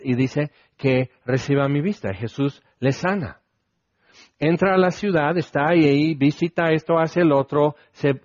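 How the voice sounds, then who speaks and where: A man's voice: on the high side, a little mellow, no echo, lo-fi sound. A man preaching a conversational sermon, asking his listeners questions and acting out the lines he quotes.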